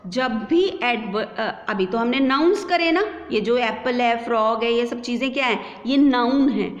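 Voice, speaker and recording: A woman gives a classroom lesson, explaining patiently and repeating her examples one by one. Her voice sits a little high and moves at an unhurried pace. It is recorded dull and lo-fi, with a roomy echo and a long reverb tail. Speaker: teacher. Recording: echoey lo-fi room recording.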